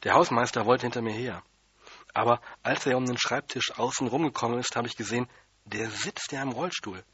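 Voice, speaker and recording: A man's voice: medium pitch, fairly quick, fairly bright tone, husky, no room sound, lo-fi sound. A man reading a children's story aloud in the first person, in a plain, childlike manner. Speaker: audiobook reader.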